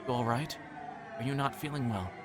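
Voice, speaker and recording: A man voicing a friendly, concerned teenage boy in a visual novel, with a gentle, questioning manner. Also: medium pitch, brisk, heavy background noise, voice pushed up, lightly acted. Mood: worried. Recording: music playing behind the voice.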